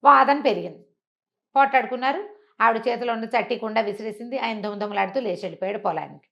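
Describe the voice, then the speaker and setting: A woman's voice: a little high, fast, gravelly, a bit bright, lo-fi sound. A woman storyteller telling a folk tale in a colloquial, conversational way.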